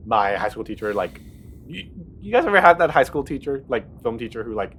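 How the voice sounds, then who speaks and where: A man's voice: medium pitch, very animated, fairly quick, a bit bright, slight background noise. A man co-hosting a casual movie podcast, meandering, with many likes and ums. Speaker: podcast co-host.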